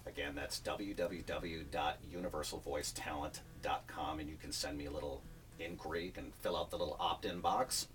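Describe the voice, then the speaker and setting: A man's voice: a bass voice, fairly even intonation, normal speed, a bit bright. A man who coaches voiceover talent, chatting casually and joking in an interview. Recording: distant mic with faint ambience.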